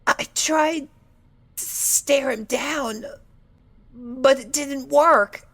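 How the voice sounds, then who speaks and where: Woman acting a timid, high-voiced, tearful pony. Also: dry recording, full character voice. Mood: shaken, hesitant. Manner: halting, hesitant, tearful delivery. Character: timid, traumatized female cartoon pony, gentle and fearful. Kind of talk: dramatic fan fiction audio reading.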